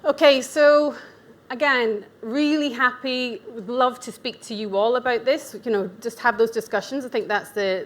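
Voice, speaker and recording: A Scottish nutrition practitioner in her forties gives a conference presentation at an event venue. Her voice sits on the high side and is a bit bright, and she speaks in a chatty, candid way with asides and self-deprecating humour.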